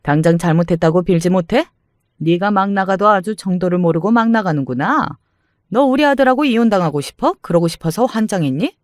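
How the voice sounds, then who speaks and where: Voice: medium pitch, animated, fairly quick, dry recording, clean studio sound, natural voice. Narrator acting scolding, domineering middle-aged mother-in-law. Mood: furious. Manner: scolding, sharp rhetorical demands.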